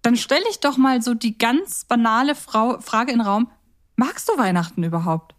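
A woman's voice: a little high, normal speed. A woman hosting a podcast in casual, chatty, expansive conversation, telling things personally. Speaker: podcast host. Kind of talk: casual chat.

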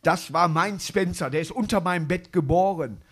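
A man's voice: on the high side, moderate pace, a bit bright. A man hosting a live comedy podcast, rambling through anecdotes and chuckling often. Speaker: podcast host. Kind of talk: casual comedy chat.

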